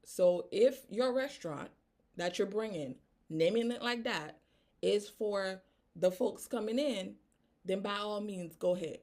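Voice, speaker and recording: A business coach from Haiti, speaking with a Haitian accent, gives an earnest motivational talk and tags her points with "right?". Her voice is medium in pitch and darkish in tone, and her pace is measured.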